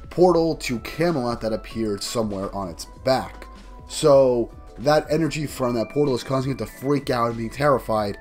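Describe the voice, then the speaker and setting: A man's voice: mid-range voice, darkish tone. A man with a cold, sounding a little groggy, giving an enthusiastic, rambling casual review of a manga chapter. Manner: enthusiastic, rambling recap with restarts.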